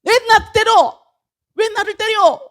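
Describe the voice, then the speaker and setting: Brief: a very high, squealing talking donkey, indignant and whinnying in protest, put on by a woman preacher. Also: slow.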